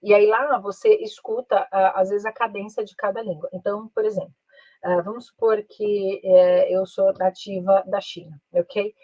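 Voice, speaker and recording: A Brazilian woman teaches an English class in a chatty style, tagging her sentences with little questions and switching into English now and then. Her voice is husky and slightly breathy. It sounds dry and close, on a somewhat dull, lo-fi recording. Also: medium pitch, little pitch movement, normal speed, dark tone, no room sound. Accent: Brazilian Portuguese. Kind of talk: online master class.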